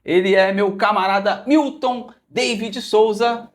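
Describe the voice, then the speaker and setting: High-voiced playful Brazilian podcast host. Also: male voice, a little slow, over a noisy crowd. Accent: Brazilian Portuguese, Rio de Janeiro area. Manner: playful, joking, animated. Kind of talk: casual interview chat.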